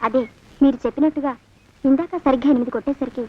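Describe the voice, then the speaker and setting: A woman's voice: high voice, fairly even intonation, quick pace, husky. A naive, innocent young woman. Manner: soft and obedient. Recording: dull lo-fi film soundtrack.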